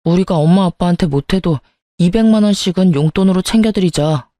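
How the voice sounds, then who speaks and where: A woman's voice: lowish voice, brisk, dry recording, studio quality, close to an everyday voice. Woman doing a petty, hot-tempered husband. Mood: demanding. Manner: sulky, accusing, turns to shouting. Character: petty, calculating young husband, quick to anger.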